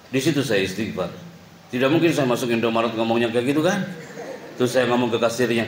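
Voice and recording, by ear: Over noticeable background noise, a man talks at a very fast pace with very even loudness and a medium pitch. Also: ordinary pitch variation.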